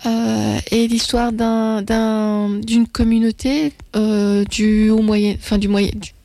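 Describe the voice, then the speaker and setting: A woman's voice: on the high side, flat delivery, slow pace, dark tone, no echo. A woman reviewing comics in casual radio chat, hesitant, with many restarts and fillers.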